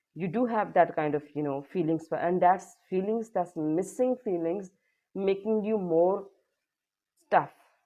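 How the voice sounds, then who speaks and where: A woman speaks at a fairly slow pace with a non-native accent. Her pitch sits in the medium range, with ordinary variation. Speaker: tarot reader. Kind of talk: tarot reading to camera.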